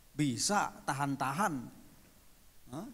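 A man talks in an animated tone. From West Java, Indonesia. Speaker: pastor. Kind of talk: sermon. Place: church. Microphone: handheld.

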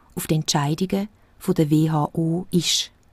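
Somewhat breathy and fairly low in pitch, a woman with a Swiss accent speaks at a very slow pace. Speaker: news presenter. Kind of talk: scripted political commentary.

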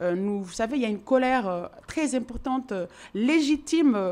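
The woman's intonation is lively. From Mayotte. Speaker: activist collective president; interview guest. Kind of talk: TV interview. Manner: halting. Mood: earnest, concerned, firm. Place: studio. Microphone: studio mic.

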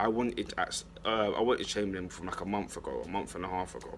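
A man talks with light background noise in the recording. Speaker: football fan vlogger. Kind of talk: casual vlog chat. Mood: relaxed opinionated. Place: street. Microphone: phone near.

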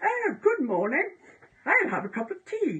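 In a British accent, a put-on character voice sits at an extremely high pitch, swinging very widely in pitch at a moderate pace. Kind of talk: posh, exaggerated.

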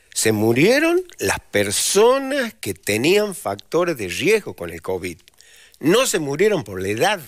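Against a quiet background, a man with a fairly high pitch speaks at a very slow pace, his pitch swinging very widely and his loudness shifting a lot, the sound dry with no echo. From Argentina. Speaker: medical doctor; guest. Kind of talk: TV interview. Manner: conversational. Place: studio. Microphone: lapel.

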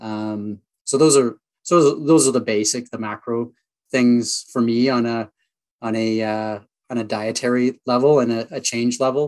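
With a Canadian accent, a normal speaking voice talks at a fairly slow pace with fairly even intonation over a quiet background. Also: man, medium pitch for a man. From Northern Ontario, Canada; Ontario, Canada. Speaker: brewing company founder; podcast guest. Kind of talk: interview conversation. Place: home room. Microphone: video call.

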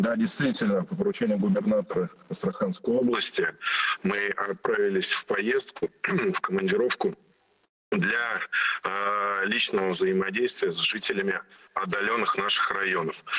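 A man talks at a moderate pace. His pauses are long and frequent. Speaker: head of regional housing repair fund. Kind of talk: live interview. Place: car. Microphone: video call.

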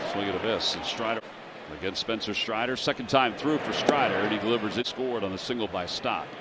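Very fast speech with fairly even intonation, a dry sound with no echo, and loud background noise. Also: man. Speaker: baseball play-by-play announcer. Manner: conversational and relaxed between pitches. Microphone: headset.

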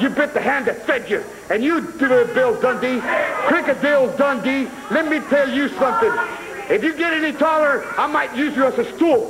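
Amid noticeable background noise, a man speaks in a high voice with lively intonation. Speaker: pro wrestler. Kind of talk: wrestling promo. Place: studio. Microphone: handheld.

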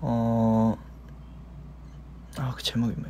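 A man speaks at a very slow pace against light background noise. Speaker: performer talking to fans. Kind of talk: casual livestream talk to fans. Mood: relaxed, playful. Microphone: phone near.

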